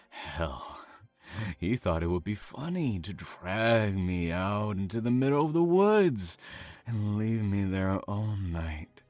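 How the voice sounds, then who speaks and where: A man playing a calm, taunting, self-satisfied serial killer in an audio drama, savoring his words with theatrical menace. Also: deep voice, no echo, heavily acted.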